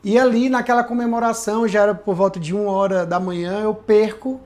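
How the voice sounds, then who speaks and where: A male pastor gives his life testimony during a podcast conversation, earnest and reflective, checking in often through tag questions. He speaks briskly in a high voice with a steady, darkish tone.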